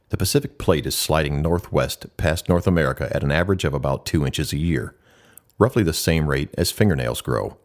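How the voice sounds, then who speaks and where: Very deep-voiced man, polished narrator. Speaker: voice-over artist.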